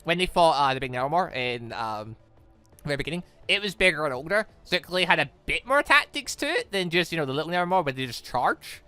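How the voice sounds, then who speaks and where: A man's voice: a little high, very animated, fast, pushed and bright, clear, resonant tone, no echo. A man giving casual, reactive let's play commentary on a visual novel, exclaiming and reading game dialogue aloud. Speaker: video game let's player. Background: game music.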